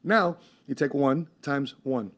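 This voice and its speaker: A man hosting a podcast in casual chat, rambling with many fillers and quick laughs. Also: mid-range voice, a bit bright. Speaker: podcast host.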